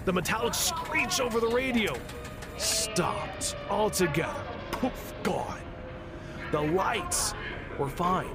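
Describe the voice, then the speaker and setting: Casting: casual, suspenseful spooky-tale teller for audio drama, unhurried, lightish pitch. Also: male voice, expressive, gravelly, loud music behind the voice, exaggerated voice. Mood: intense, conspiratorial. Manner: hesitant, dramatic pauses, slangy asides. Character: casual, foul-mouthed man telling a spooky campfire story.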